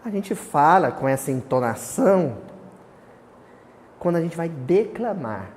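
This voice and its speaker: A man's voice: fairly high pitch, very animated, a little slow, a little mellow. A man with a Brazilian accent teaching a small study group. He keeps asking the group questions, answers them himself, and declaims the verses he quotes. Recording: reverberant hall with faint hiss.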